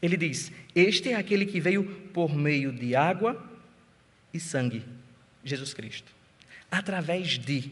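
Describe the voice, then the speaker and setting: With lively intonation, a man talks in a voice pitched high for a male. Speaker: pastor. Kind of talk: sermon. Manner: fast.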